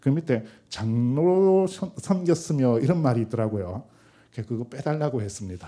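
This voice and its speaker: A man with a medium pitch and a dark, mellow tone speaks at a moderate pace with very wide pitch swings. The recording is very clean, with a silent background. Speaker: professor, seminar speaker. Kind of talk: lecture. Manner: halting.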